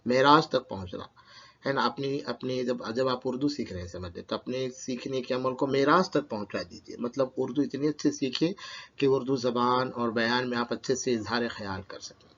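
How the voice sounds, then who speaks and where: A male teacher works through a poem line by line for his students, asking questions aloud and answering them himself. His pitch sits at an ordinary middle level for a man. The recording sounds dull and lo-fi. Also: a bit bright. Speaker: Urdu teacher.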